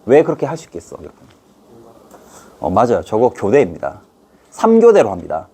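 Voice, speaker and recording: A middle-aged man teaches history to students in a playful, chatty way. His voice is a bit husky, and his pitch rises and falls with lively energy. He keeps slipping into short put-on voices to act out scenes. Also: fairly quick. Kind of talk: lively online history lesson.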